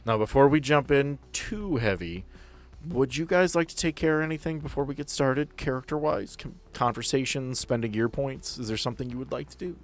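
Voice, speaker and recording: A man's voice: medium pitch, fairly quick. A man working as game master of a role-playing podcast, explaining and narrating casually with joking, sweary asides, with music behind him.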